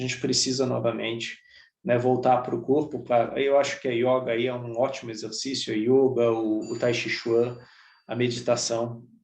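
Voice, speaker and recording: Audible room echo surrounds a man speaking at medium pitch and a fairly slow pace. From Brazil. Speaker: study group facilitator. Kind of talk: online study group discussion.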